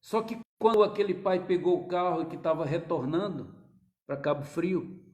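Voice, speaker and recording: A man preaching a fervent sermon to his congregation, his fairly high voice rising into loud, urgent cries before sinking into hushed, low passages. He keeps calling the listeners brothers. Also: moderate pace. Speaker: pastor.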